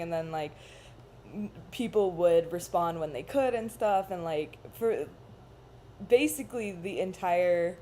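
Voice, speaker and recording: A woman's voice: lowish voice, mellow, a little hiss or hum. A young woman chatting casually on a video call, rambling and thoughtful, often laughing at herself. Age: young adult. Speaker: cast member of a charity reading livestream. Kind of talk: casual chat.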